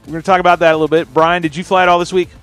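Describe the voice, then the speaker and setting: A man's voice: high voice, flat delivery, rapid-fire, fairly bright tone, soft background music. A man hosting a casual podcast chat, teasing his co-hosts and laughing often. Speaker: podcast host.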